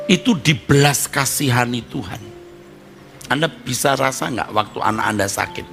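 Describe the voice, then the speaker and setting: A middle-aged man preaching a sermon as pastor, talking in a conversational way, acting out short everyday dialogues and breaking into sudden high emphatic bursts. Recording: music playing underneath.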